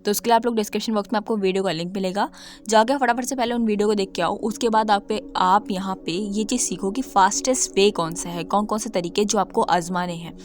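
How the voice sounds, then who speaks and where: Slightly hoarse woman giving coding tips. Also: mid-range voice, fairly even intonation, quick pace. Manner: emphatic, repeats points, mixes English terms into speech. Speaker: coding tutor. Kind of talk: casual talk-to-camera lesson.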